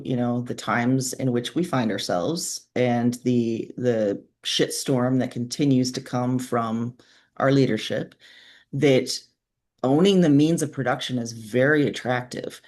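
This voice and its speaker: A woman's voice: very deep voice, unhurried, darkish tone. A woman talking casually as an interview guest, in a thoughtful, informal and wry manner. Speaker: author and podcaster, interview guest.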